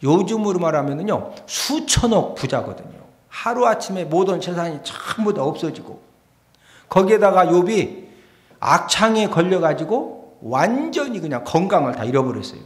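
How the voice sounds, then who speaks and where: A male pastor giving a lively sermon in a church, often prodding his congregation for a response. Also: sits high, moderate pace. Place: church sanctuary. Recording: echoey church hall.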